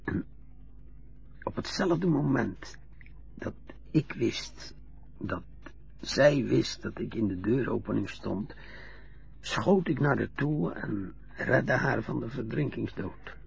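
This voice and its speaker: An actor playing an old widower who haltingly confesses a guilt that haunts him, in a radio drama. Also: male voice, mid-range voice, lively intonation, vocal fry, breathy edge, lo-fi sound, exaggerated voice. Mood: remorseful. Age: older. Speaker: old man being helped to dress.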